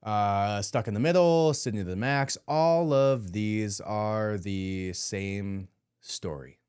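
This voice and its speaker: A man's voice: fairly low pitch, slow, darkish tone, clear, resonant tone, dry recording, studio quality. A man hosting a podcast, giving an emphatic, indignant commentary monologue and repeating his points for emphasis. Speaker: podcast host.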